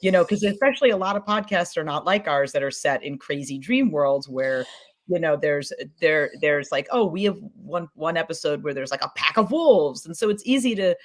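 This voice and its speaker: A woman's voice: deep voice, lively intonation, moderate pace. A woman in a casual panel discussion, speaking as a podcast producer in informal, circling phrases. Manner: informal, circling phrasing with many "you know" and "like".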